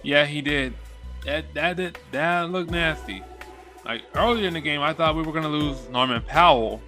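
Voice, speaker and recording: A man co-hosting a casual sports talk show, giving short agreeing replies and steady analysis. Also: a little high, normal speed, soft background music. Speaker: sports podcast co-host.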